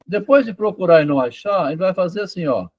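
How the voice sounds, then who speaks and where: A man's voice: sits high, animated, fast, darkish tone, muffled recording, slight background noise. A man talking casually, rambling and checking in with "tá?" and "né?" as he goes. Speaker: author discussing his doctoral thesis. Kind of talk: casual conversation about psychoanalysis and literature.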